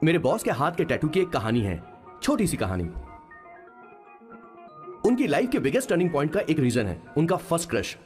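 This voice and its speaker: A wry, chatty young sidekick. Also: male voice, fairly high pitch, huge pitch swings, moderate pace, long pauses, faint music behind. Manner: playful, wry storytelling. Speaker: hero's assistant and narrator. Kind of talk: Hindi film dub.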